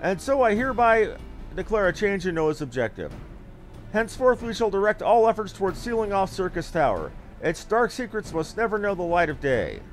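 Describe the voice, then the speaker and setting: Guy doing an earnest scholar boss, high-ish and dramatic, formal speeches, music behind. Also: big pitch swings, normal speed. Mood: earnest, commanding. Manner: formal, declamatory. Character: earnest scholarly expedition leader, eloquent and dutiful. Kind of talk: fantasy game dialogue read aloud.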